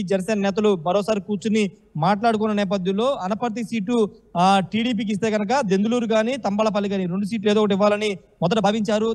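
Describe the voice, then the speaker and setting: A man's voice: sits high, darkish tone. A man giving a live political news report in a repetitive, run-on explanatory way. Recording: long hall-like reverb.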